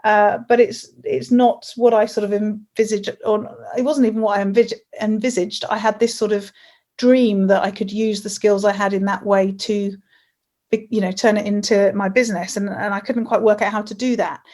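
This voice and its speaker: A woman hosting an interview in a chatty manner, quick to laugh, with hesitant restarts. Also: medium pitch, flat delivery, darkish tone. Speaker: host. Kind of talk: casual interview.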